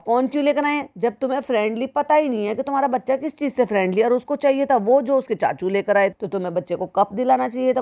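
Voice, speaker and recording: Woman reaction commentator with a higher voice, sarcastic and scolding, talks straight to the listener. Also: a little mellow. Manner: sarcastic, scolding, mimics the people she mocks; keeps addressing the listener as "bhai sahab".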